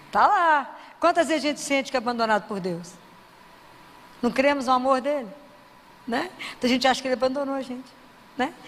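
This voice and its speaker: A woman's voice: sits high, fairly bright tone. A middle-aged woman with a Brazilian Portuguese accent gives an informal sermon, talking conversationally and quizzing her listeners with questions. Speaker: faith speaker. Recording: long reverb, hall-like.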